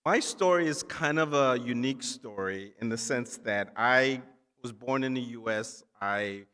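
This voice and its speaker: A man's voice: mid-range voice, a little slow, a bit bright, clear, resonant tone. Man giving an echoey hall keynote speech. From Nigeria. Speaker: keynote speaker, physician assistant. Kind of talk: ceremony keynote speech to students. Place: large indoor hall at a ceremony. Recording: echoey hall with long reverb.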